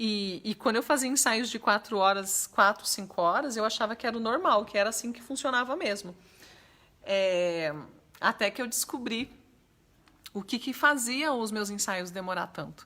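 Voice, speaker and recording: A woman with a southern Brazilian accent speaks at a moderate pace, her pitch fairly high and its variation ordinary. Her tone is bright and sharp, and her loudness swings widely. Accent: southern Brazilian (gaúcho). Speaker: newborn photography instructor. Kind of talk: live stream Q&A. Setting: live stream broadcast. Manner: casual, conversational.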